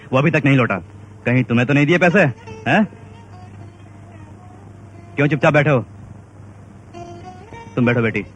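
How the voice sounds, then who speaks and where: A man's voice: fairly high pitch, close to an everyday voice. A man playing a pleading elderly father. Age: older. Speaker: father-in-law in a dubbed film. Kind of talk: dubbed film acting. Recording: dull film dub with background score.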